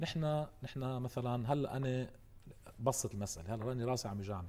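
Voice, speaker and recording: The voice carries a dark, mellow tone. Its pitch varies in an ordinary way. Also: man. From Lebanon. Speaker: Shia cleric answering viewer questions; guest. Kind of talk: live TV Q&A discussion. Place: studio.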